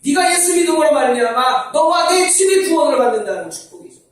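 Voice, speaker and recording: A man's voice: extremely high pitch, big pitch swings, quick pace. A male pastor preaching a sermon, asking the congregation questions and answering them himself. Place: church sanctuary. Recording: very echoey church hall from far off.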